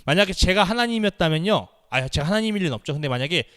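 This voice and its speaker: A man with a fairly high voice preaches a sermon in a church sanctuary, chatty, asking the congregation questions and breaking into exaggerated voices to act out scenes. His voice rings out with a long reverb from the hall around him. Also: expressive, rapid-fire, a bit bright. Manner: acts out dialogue between God and Jonah with exaggerated voices; conversational, asks the congregation questions, chuckles. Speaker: junior pastor preaching.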